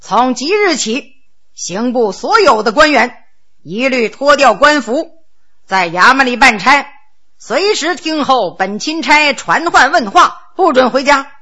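A woman's voice: high-pitched, very animated, unhurried, bright, forceful tone, exaggerated voice. A woman storyteller voicing a Qing prince, a grown man who gives harsh orders and then stammers in confusion. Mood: stern. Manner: commanding, then flustered and stammering. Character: Qing prince, middle-aged man, stern official turned bewildered.

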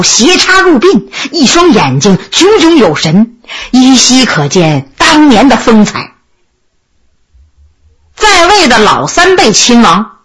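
A woman telling a traditional historical tale in an expressive oral storytelling style, acting out each character. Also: high-pitched, husky. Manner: expressive, swinging between voices.

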